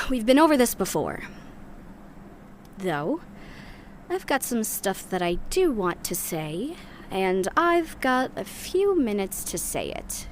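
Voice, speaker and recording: A woman's voice: mid-range voice, very animated, slow, long pauses, slight background noise. An actress playing a blunt, irritated young rebel woman in an audio drama, recording a log in a dry, sardonic way.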